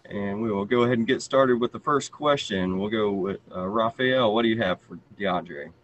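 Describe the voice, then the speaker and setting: A man in his thirties briskly moderating a press conference over a video call. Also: lowish voice, fairly bright tone, no echo, rough recording. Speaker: media relations moderator. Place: indoor room, on video call. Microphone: video call, speaking through face mask.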